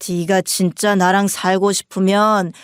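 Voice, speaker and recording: A woman's voice: medium pitch, little pitch movement, measured pace, smooth, pitched below the performer's own voice, natural voice. A woman voicing a rude, arrogant husband who talks in curt, dismissive orders.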